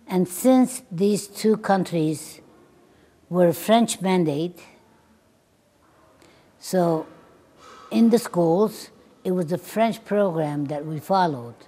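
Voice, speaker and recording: Slow, reflective Syrian-born nun. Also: female voice, on the low side, mellow. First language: Armenian. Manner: slow, reflective, pausing between phrases. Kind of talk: documentary interview.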